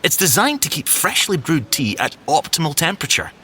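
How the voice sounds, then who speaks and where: An actor playing an excitable, geeky young Scottish tech agent in an audio drama, enthusiastic, fussy and expressive. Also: male voice, fairly high pitch, brisk, breathy edge, heavily acted. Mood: playful, eager.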